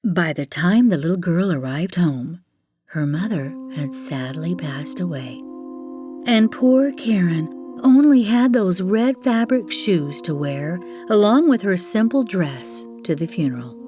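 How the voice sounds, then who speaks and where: A woman narrating a children's fairytale as a storyteller, with expressive delivery and dramatic, drawn-out emphasis. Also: fairly low pitch, soft background music.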